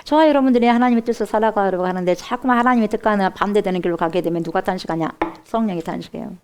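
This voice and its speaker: A woman's voice: medium pitch, racing, a little mellow, clean tone. A woman pastor with a Jeolla accent preaching a sermon emphatically and putting direct questions to the congregation.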